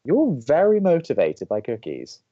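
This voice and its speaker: A man's voice: on the high side, wildly swooping pitch, moderate pace, mellow, no room sound, highs cut off, heavily acted. A man playing an exasperated young college radio DJ, bantering with dry sarcasm and a defensive edge. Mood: dry, grumbling. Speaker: radio host.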